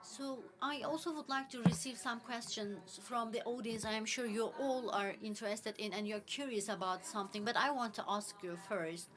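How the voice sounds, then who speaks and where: A woman giving live spoken interpretation into English for a panel, speaking in halting phrases with frequent restarts and fillers. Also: on the high side, a crowd in the background.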